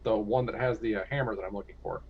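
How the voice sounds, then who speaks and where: A man's voice: lowish voice, fairly even intonation, fast talker, breathy edge, narrow, tinny audio. A man playing a tabletop game, talking about his character's gear. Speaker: player. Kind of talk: tabletop role-play chat.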